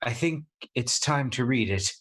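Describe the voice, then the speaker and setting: Husky, haunted young husband. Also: male voice, mid-range voice, lively intonation, measured pace, fairly bright tone. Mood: shaken, urgent. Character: haunted, earnest young husband, shaken but insistent. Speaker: actor in a live radio play. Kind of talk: theatrical radio drama acting.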